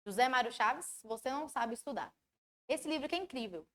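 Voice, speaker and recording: A woman with a Brazilian Portuguese accent, a study mentor giving an online lecture who asks her audience questions and explains in an animated way. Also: high-pitched, a little fast.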